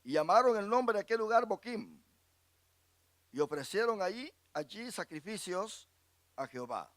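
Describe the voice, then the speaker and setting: A man preaching a sermon as pastor, swinging between loud high bursts and quiet low asides, calling the listeners brother and asking them questions. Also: very animated, normal speed, no echo.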